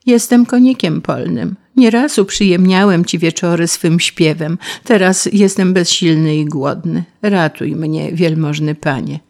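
A woman's voice: lowish voice, unhurried, gravelly, hardly any pauses, a little mellow. A woman voicing a weak, starving male grasshopper who begs for help in a plaintive way. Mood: pleading.

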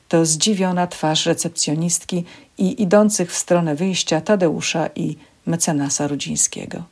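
A woman reading a passage of a novel aloud in measured, steady narration for a library program. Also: on the low side. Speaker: audiobook reader for a library program.

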